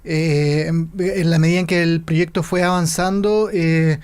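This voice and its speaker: A man's voice: a little high, fairly even intonation, unhurried, a little mellow, clear, resonant tone. A man with a Chilean accent from Santiago, a film director talking through his ideas in an interview and searching for words as he goes. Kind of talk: interview conversation.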